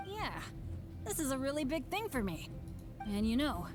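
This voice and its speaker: A woman's voice: high-pitched, big pitch swings, normal speed. An actress voicing an earnest, upbeat young male adventurer in a game, eager, encouraging and sincere. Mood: grateful, sincere. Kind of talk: scripted anime game voice acting. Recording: game music behind the voice.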